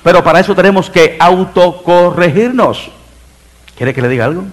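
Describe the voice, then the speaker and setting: A middle-aged man preaching a sermon in church as pastor, building emphasis and dropping into soft asides. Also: high-pitched, normal speed. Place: church sanctuary.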